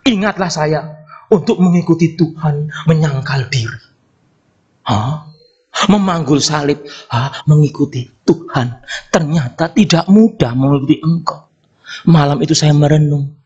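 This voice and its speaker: A man's voice: fairly high pitch, a little slow, a little mellow, slightly rough, lo-fi sound. A man in his fifties, a Catholic priest preaching a sermon at Mass and telling a story, often calling out to his listeners. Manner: storytelling, addresses listeners often as brothers and sisters. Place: church during Mass.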